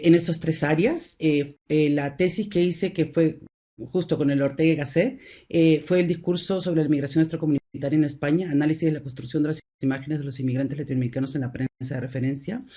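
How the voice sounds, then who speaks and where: A middle-aged woman with a Peruvian Spanish accent, a university professor giving an academic presentation over a video call, pausing often with fillers and restarting her sentences. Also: low-pitched, warm tone. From Peru. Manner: hesitant, many fillers and restarts.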